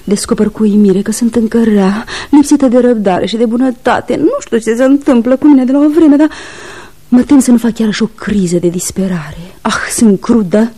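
Radio-play vamp: high, mellow-toned, fickle and cruel, declamatory. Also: female voice, hardly any pauses. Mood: contrite. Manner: exalted, declamatory, swings between coaxing and shouting. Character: theatrical scheming woman, fickle and cruel. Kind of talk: 1970s radio drama acting.

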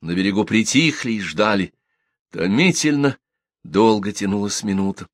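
A man narrating an audiobook with expressive storytelling in a dry, close recording. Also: fairly low pitch, normal speed, dry recording. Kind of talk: audiobook reading.

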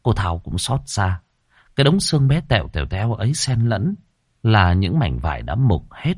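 A man reading a ghost story aloud as a storyteller, in a dramatic, expressive style. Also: fairly low pitch, moderate pace, breathy edge, dry recording, clean studio sound. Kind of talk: scripted ghost-story narration.

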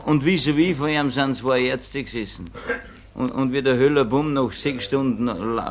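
A male comedian telling jokes in a heavy comic stutter. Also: mid-range voice. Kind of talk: stand-up joke telling.

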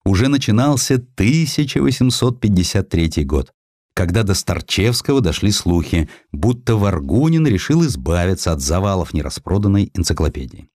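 Low-voiced man, expressive audiobook narrator. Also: moderate pace, dry recording, studio quality. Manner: theatrical, acts out dialogue. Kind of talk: expressive literary narration of a historical sketch.

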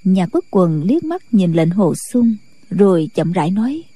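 A woman narrating a martial-arts novel as an audiobook in a steady, measured way. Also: mid-range voice, slightly rough, no echo.

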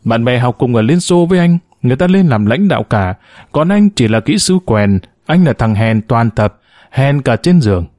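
A man reading a short story aloud as narrator, in an expressive storytelling manner. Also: medium pitch, moderate pace, dry recording, studio quality.

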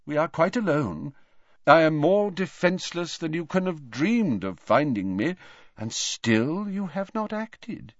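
A man's voice: fairly high pitch, lively intonation, measured pace, dry recording, lo-fi sound, pitched above the performer's own voice. A man voicing a frail old male headmaster wizard who speaks lightly and courteously. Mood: calm.

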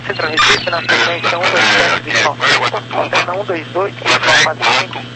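A man's voice: a little high, normal speed, loud music behind the voice. A Brazilian man, a pilot talking to air traffic control over aviation radio. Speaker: airline pilot. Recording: very noisy cockpit radio transmission.

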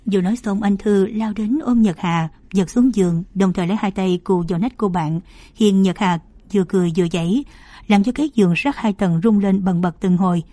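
A woman narrating a story in a calm, even storytelling manner. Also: mid-range voice, a little fast, no echo. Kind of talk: audiobook narration.

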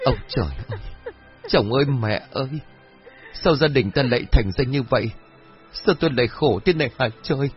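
A man's voice: mid-range voice, animated, moderate pace, soft background music, pitched above the performer's own voice, close to an everyday voice. A man voicing a grief-stricken middle-aged widow who wails and sobs. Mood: wailing. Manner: wailing, sobbing cries. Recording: dull lo-fi recording.

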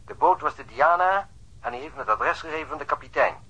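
A man's voice: fairly high pitch, lively intonation, fast talker, sharp tone, slightly rough, exaggerated voice. An actor playing a diligent, eager policeman reporting over a telephone line in a radio drama. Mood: eager, matter-of-fact. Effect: telephone filter.

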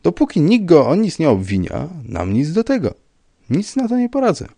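A man voicing a gruff police commissioner who speaks in a dry, curt, dismissive way. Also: fairly high pitch, huge pitch swings, moderate pace, mellow, no echo, pitched above the performer's own voice, full character voice. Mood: matter-of-fact. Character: gruff, unbothered middle-aged police commissioner.

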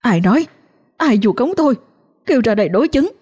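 Woman doing a crying young daughter, high and shrill, loud and desperate. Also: lively intonation, brisk, husky. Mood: defiant. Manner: shrill, pleading then defiant.

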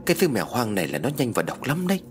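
A man's voice: mid-range voice, wildly swooping pitch, very fast, over music. A man voicing a stern, bossy older uncle who scolds the family. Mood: warning. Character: angry stern older uncle, Bác Phùng.

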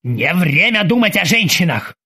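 A man voicing an irritable middle-aged yacht captain who barks and shouts in exasperation. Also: high voice, very animated, moderate pace, breathy edge, heavily acted. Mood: gruff irritated.

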